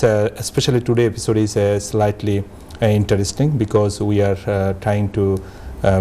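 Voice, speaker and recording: A man hosting a studio talk show in English with a Bangladeshi accent, speaking haltingly with many fillers and restarts. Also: on the low side, warm tone. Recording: faint background noise.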